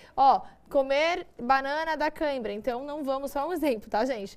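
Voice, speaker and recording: This woman has a high pitch and ordinary pitch variation. She speaks at a moderate pace. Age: 30s. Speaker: digital influencer. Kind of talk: casual chat. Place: studio. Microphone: lapel.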